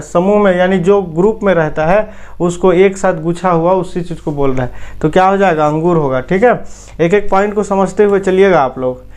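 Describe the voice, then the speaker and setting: High clear-voiced male Hindi quiz teacher. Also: a little mellow. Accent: Indian Hindi. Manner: repeatedly asks the audience, then gives the answer. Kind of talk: exam quiz lesson.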